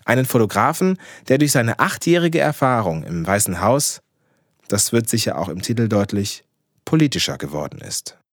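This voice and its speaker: A man co-hosting a photography news podcast, reading a scripted film review with measured, dry irony. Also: on the low side, sing-song, dry recording.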